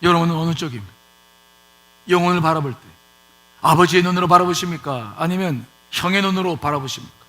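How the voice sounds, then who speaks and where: A man's voice: high-pitched, sharp tone. A male pastor preaching a sermon in a church, asking rhetorical questions and repeating points for emphasis. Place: church sanctuary.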